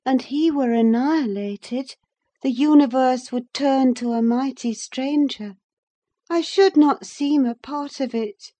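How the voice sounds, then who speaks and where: A woman's voice: sits high, warm tone, voice pushed up. A woman reader voicing a passionate, headstrong young woman torn in love, speaking with impassioned fervor. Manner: fervent, impassioned declaiming.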